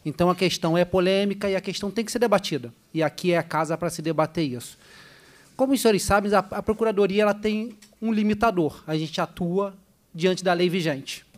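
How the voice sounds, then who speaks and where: A man's voice: high voice, brisk. A man, a state attorney, giving a polite, explanatory formal address at a legislative hearing.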